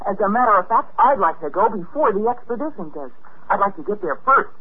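An eager, daring schoolboy in an old radio adventure. The voice is high and a little husky, always pushing and persuading, through a narrow, tinny 1950s broadcast sound. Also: male voice, animated, brisk. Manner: persuasive, enthusiastic.

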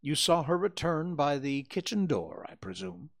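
A man reading aloud, voicing a calm, shrewd male detective who asks precise questions. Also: a little high, moderate pace, pitched above the performer's own voice. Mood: probing.

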